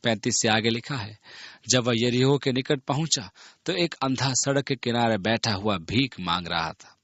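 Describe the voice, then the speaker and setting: A man reading a Bible passage aloud and explaining it in an earnest, expressive manner. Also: medium pitch, normal speed, no echo, highs cut off. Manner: earnest, expressive reading that voices the people in the story. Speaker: Bible teacher.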